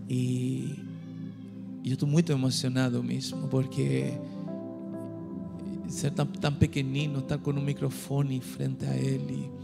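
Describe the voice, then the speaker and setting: A middle-aged man from Chile with a Chilean Spanish accent, preaching a humorous sermon into a handheld mic on a church stage and urging the crowd to shout. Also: medium pitch, gravelly. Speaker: guest pastor. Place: large dark church stage. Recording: long hall reverb with music behind.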